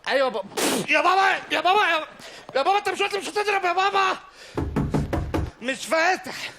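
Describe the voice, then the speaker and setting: A naughty little boy, whining and ranting in a very high, sharp voice. He pleads like a scared child in a stand-up routine, with light noise around him. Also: animated, fast talker. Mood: pleading, ranting. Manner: whiny, pleading rant. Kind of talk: stand-up character comedy.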